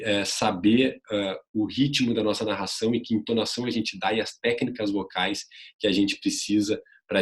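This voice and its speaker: A man with a Brazilian Portuguese accent and a slightly low voice teaches would-be sports journalists in an earnest, coaching tone. He talks straight to the viewer, mixing career anecdotes with practical advice on vocal technique. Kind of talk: online video lesson, first-person anecdotes.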